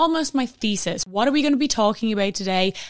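In a very clean recording with a silent background, a woman with an unremarkable speaking voice and fairly high pitch uses lively intonation. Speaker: podcast host. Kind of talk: solo podcast monologue explaining a scandal.

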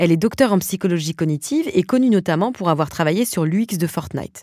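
A woman's ordinary speaking voice, fairly low-pitched, with lively intonation, in a very clean recording against a silent background, dry and close with no echo. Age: 30s. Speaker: comedian and podcast host. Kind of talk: scripted narration.

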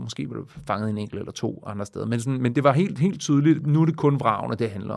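He has a plain, everyday voice. The man's pitch is medium with ordinary variation. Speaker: spearfisherman. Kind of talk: interview.

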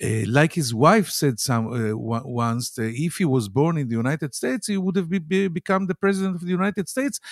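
A man in an Israeli accent, fairly quick, with very wide pitch swings, on a very clean recording with a silent background. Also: dry, close sound with no echo. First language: Hebrew. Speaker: Israeli political analyst. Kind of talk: interview discussion. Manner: halting, searching for words.

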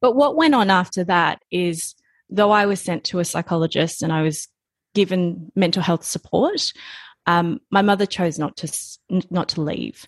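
A woman with an Australian accent at a medium pitch and moderate pace, ordinary pitch variation, dry and close with no echo over a quiet background. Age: 30s. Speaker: memoir author, abuse survivor. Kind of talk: interview, personal testimony. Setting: remote recording.

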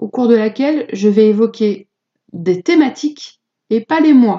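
The voice belongs to a woman and sits high in pitch. Her intonation is lively. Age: 40s. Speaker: spiritual coach and podcast host. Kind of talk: solo podcast monologue.

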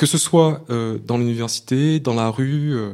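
The man has a plain, everyday voice at a medium pitch with ordinary pitch variation, heard on a very clean recording with a silent background. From Martinique. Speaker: author and researcher. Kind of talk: public talk with Q&A. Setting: bookshop event with live audience.

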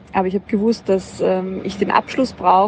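Her voice is somewhat breathy. This woman keeps a fairly even intonation. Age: 20s. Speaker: former special-needs teacher. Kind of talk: recorded personal story.

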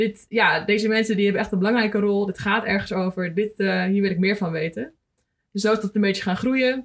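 Her pitch medium and her intonation fairly even, a woman speaks at a very fast pace. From Netherlands, Amstelveen. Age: 20s. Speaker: city councillor and researcher. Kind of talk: casual interview. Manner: hesitant, many fillers.

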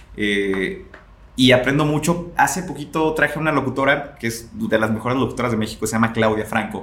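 A man with an unremarkable speaking voice talks at a fairly quick pace. His pitch is medium and his intonation is lively. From Mexico, Jalisco region. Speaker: radio host. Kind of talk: casual chat. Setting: studio.

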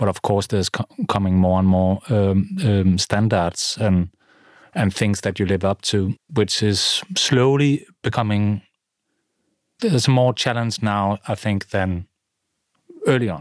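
The sound is dry and close, with no echo. A man speaks in a Danish accent at a fairly low pitch. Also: ordinary pitch variation, fairly slow pace, very clean recording, silent background. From Denmark, central Jutland. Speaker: fashion designer. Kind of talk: interview. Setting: archive room. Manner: halting.

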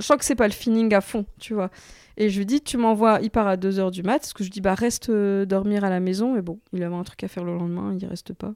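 Fairly quick and fairly even in intonation, a woman with an unremarkable speaking voice speaks at medium pitch on a very clean recording with a silent background and a dry, close sound with no echo. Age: 30s. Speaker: podcast guest, dating app user. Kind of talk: casual chat. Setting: recording while on a trip to Réunion.

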